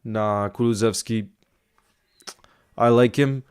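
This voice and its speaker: A man's voice: on the low side, steady tone, slow pace, darkish tone, smooth. A man hosting a casual football live stream, answering viewer comments in a chatty, thinking-aloud way with small restarts.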